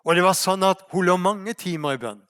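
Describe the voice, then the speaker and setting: Male preacher from Norway, higher voice, rhetorical questions, storytelling sermon. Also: a bit bright, clean tone. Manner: asks the audience rhetorical questions; storytelling, slows for emphasis. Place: mission hall.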